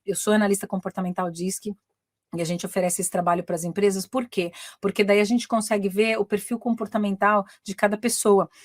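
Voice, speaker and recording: A bilingual woman, an English teacher and communication coach, teaches a live-streamed class from her home in England. She alternates between Portuguese and English, saying every point in both. Her mid-range voice is fairly quick with little pitch movement, recorded in studio quality with no room sound.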